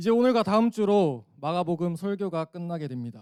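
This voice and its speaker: A dark, mellow tone carries a Daegu accent at a moderate pace, with lively intonation and a dry, close sound with no echo. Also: man. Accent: Daegu dialect, still noticeable. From South Korea, Daegu. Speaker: youth ministry preacher. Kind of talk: sermon. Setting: church service with congregation.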